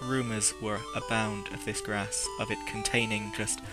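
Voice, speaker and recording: There is music in the background. Over it, a man speaks at medium pitch. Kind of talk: video game commentary.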